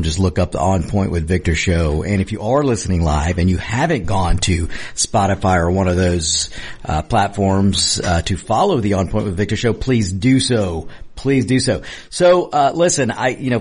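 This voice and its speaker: A male radio host with a fairly low voice talks casually and with opinion. He addresses his listeners directly and often repeats a phrase to drive it home. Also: breathy edge.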